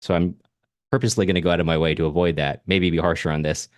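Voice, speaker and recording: Talking fast in a low voice with fairly even intonation, this podcast co-host works through a novel casually and analytically, wandering through ideas and frequently rewording himself partway through a thought. There's no echo on the recording.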